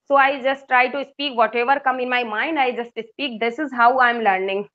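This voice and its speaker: A woman's voice: fairly high pitch, moderate pace, highs cut off. A woman in her thirties from Uttar Pradesh, India, a native Hindi speaker who tutors English, talking in hesitant English with an Indian accent, full of fillers and restarts. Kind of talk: casual English conversation practice.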